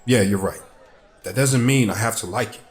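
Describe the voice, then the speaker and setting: An actor playing a stubborn, frustrated police officer with a gruff way of talking in an audio drama. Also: male voice, on the low side, normal speed, a faint crowd, close to an everyday voice. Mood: grudging. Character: stubborn, frustrated male police officer, protective of troubled kids. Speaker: police detective.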